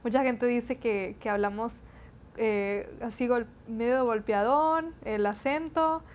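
A woman's voice: on the high side, takes it slowly. A woman in her twenties from the Texas–Mexico border, talking in an interview and filling her answers with eh and repeated "sí, sí, sí". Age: 20s. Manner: chatty, many fillers and repeated "sí, sí, sí". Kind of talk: interview conversation.

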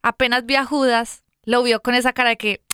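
A woman co-hosting a faith program, chatty and quick to laugh. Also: on the high side, little pitch movement, bright, forceful tone, clean tone. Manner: chatty, laughs often, says o sea often. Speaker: co-host of a Catholic radio program. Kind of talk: casual faith chat.

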